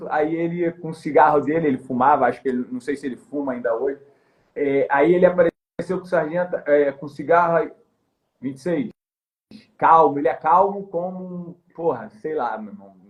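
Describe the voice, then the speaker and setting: High-voiced Rio man telling a story. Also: fairly quick. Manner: animated storyteller, acts out the voices and shouts in his story. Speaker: podcast guest, former elite police officer. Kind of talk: storytelling in a casual interview.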